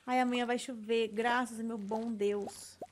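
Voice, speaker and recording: A woman's voice: on the high side, level tone, measured pace, a little hiss or hum. A woman with a Brazilian Portuguese accent, chatting to herself while playing a farming game. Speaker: streamer. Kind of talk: gameplay commentary.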